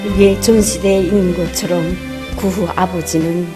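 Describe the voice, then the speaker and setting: A woman's voice: lowish voice, steady tone, normal speed, over loud music. A woman with a North Korean accent recounting earnestly and reverently.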